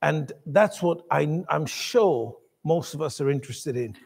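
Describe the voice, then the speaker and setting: A man's voice: a little high, lively intonation, unhurried, vocal fry, darkish tone, husky, big-room sound. A man preaching a sermon in a conversational way, with many restarts and asides to the congregation. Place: church.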